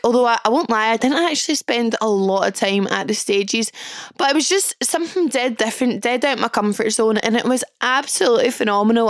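Glaswegian woman host, young, hoarse and croaky, high voice, dry close sound, bubbly and chatty. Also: no room sound. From Scotland. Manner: bubbly, chatty, swearing freely. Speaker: podcast host. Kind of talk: casual chat.

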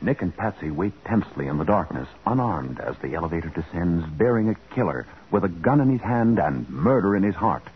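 A man's voice: sits low, sing-song, a little fast, hardly any pauses. A man narrating a vintage radio drama as its announcer, with a dramatic, emphatic scripted delivery. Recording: muffled old radio recording, organ music behind.

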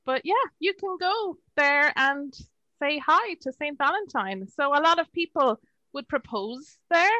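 A woman with an Irish accent speaks in a fairly high, bright and forceful voice. Her delivery is halting and casual with a dry sense of humor. The sound is close and dry. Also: expressive, no room sound, lo-fi sound. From Ireland. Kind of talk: casual chat.

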